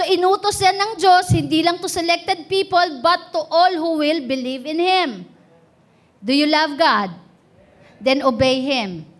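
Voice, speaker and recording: A Filipino woman pastor preaches a church sermon in a high, bright voice. She keeps asking the congregation rhetorical questions and mixes English phrases into her preaching. She often drops her pace to press each key word home. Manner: lively, emphatic, often slowing to stress key words. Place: church service.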